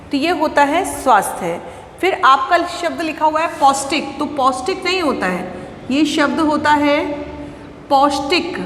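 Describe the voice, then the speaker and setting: A woman with a fairly high voice teaches children, explaining each point patiently and answering her own questions. She sounds like she is in a classroom. The recording is roomy, with a long reverb tail and faint ambient noise behind her. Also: fairly bright tone. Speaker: school Hindi teacher.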